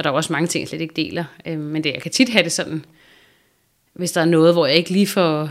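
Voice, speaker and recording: Talking at a very fast pace yet with long, frequent pauses, a woman uses a fairly low pitch and ordinary pitch variation on a very clean recording with a silent background. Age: 30s. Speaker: Instagram influencer. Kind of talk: casual interview. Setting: at the guest's home.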